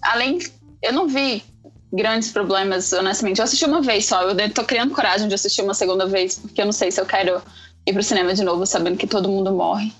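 A woman's voice: mid-range voice, fast, soft background music, rough recording. A woman with a Brazilian Portuguese accent, talking casually about film as a podcast panelist.

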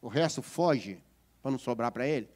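A man with a Brazilian Portuguese accent preaching a humorous sermon as a pastor, lively and joking, often asking the congregation whether they agree. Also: medium pitch, normal speed.

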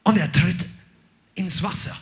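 A man preaching a sermon, energetic and exclaiming to his congregation. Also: high-pitched, unhurried, gravelly. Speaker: pastor.

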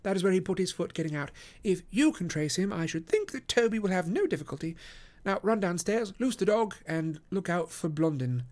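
A man voicing a brisk, commanding Victorian detective in an audiobook, crisp and directive as he gives instructions. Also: sits high, lively intonation, pitched above the performer's own voice. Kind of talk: audiobook character voice.

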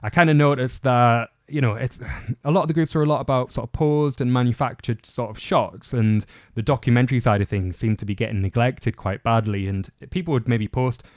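A man with a soft, camp, slightly feminine voice, chatting casually as a podcast host. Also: mid-range voice, a little fast, hardly any pauses, dry recording.

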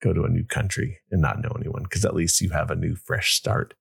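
A man's voice: low-pitched, fairly even intonation, brisk, creaky, husky. A man hosting a podcast in casual chat, rambling with many restarts and fillers. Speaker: podcast host.

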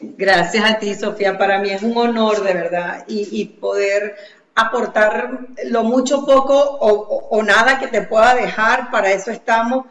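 A woman, a special education specialist, speaking as a guest in a lively, chatty way over a remote link. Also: mid-range voice. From Venezuela. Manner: lively, chatty, quick to agree. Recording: roomy, dull remote line.

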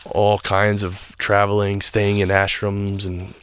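A man's voice: lowish voice, monotone, slow pace, a bit bright, clear, resonant tone. A man hosting a spiritual podcast, talking earnestly and reflectively while walking outdoors, a little stuffed up and nasal. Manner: earnest, reflective, loose talk with restarts. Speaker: podcast host. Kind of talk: solo spiritual podcast monologue. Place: walking outdoors in a state park.

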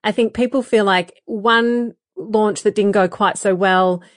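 A woman co-hosting a podcast, talking candidly with a croaky voice, laughing often and using many fillers. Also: medium pitch, fairly even intonation, a little slow, no room sound, clean studio sound. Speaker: podcast co-host. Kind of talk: casual podcast chat.

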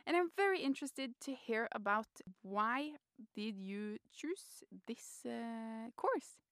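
A woman's voice: fairly high pitch, lively intonation, slow pace, fairly bright tone, clear, resonant tone. A woman co-hosting a podcast, asking curious questions with encouraging interjections. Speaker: podcast co-host.

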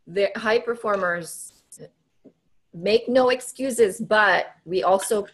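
A woman's voice: mid-range voice, slow, rough recording. A middle-aged woman from the Philippines with a Filipino accent, chatting casually as a co-host and laughing easily. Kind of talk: casual podcast chat.

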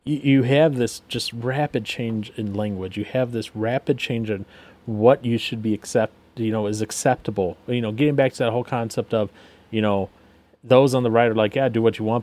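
A man's voice: lowish voice, steady tone, brisk, mellow. A man co-hosting a casual commentary chat, sarcastic, reading headlines and figures aloud with lots of fillers. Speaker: podcast co-host.

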